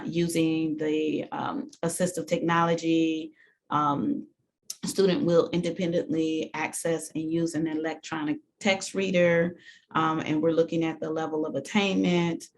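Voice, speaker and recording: A woman presents a webinar to educators with a low voice. She talks haltingly, with frequent ums between phrases. A faint hiss runs behind her.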